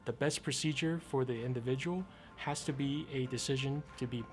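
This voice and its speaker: A man, a surgeon, calmly explaining surgical options in an informational hospital spot, with occasional fillers. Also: medium pitch, faint music behind. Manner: measured, explanatory, with some fillers.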